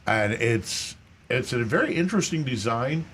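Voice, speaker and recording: Co-host: man, mid-pitched voice, relaxed explainer, studio with a faint hum behind him. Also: normal speed. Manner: easygoing explainer with repeated restarts. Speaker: car expert co-host. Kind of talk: radio call-in advice. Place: radio studio.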